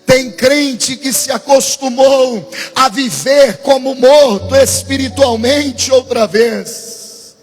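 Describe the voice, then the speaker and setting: A Brazilian preacher with a very high, strained voice delivers a Pentecostal sermon in a big church. He shouts in a rising, sing-song cadence and calls on the crowd to answer. His pace is slow and drawn out, with soft music playing under him. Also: big-room sound. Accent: Brazilian Portuguese. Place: large church.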